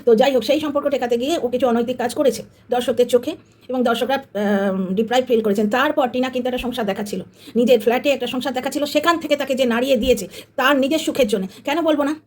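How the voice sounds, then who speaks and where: A woman commentator delivers an opinionated monologue straight to her audience. Her voice sits high and her words tumble out quickly. She sounds combative and sarcastic throughout. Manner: combative, sarcastic, addresses viewers directly. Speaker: commentary channel host.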